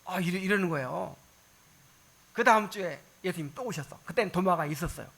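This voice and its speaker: A man's voice: high voice, a little fast, gravelly, fairly bright tone. A man preaching a sermon as pastor, talking conversationally and asking the congregation questions.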